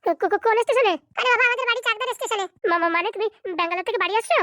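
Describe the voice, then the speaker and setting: A voice artist voicing a brisk, matter-of-fact young woman on the phone. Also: very high-pitched, sharp tone, no room sound, clean studio sound.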